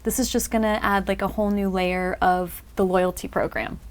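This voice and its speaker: A woman's voice: mid-range voice, fairly even intonation, moderate pace. A young adult woman co-hosting a podcast, reading news items in an upbeat way and chatting loosely between them. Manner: upbeat, reads news smoothly, then chats loosely. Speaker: co-host. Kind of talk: casual podcast chat with scripted news segments.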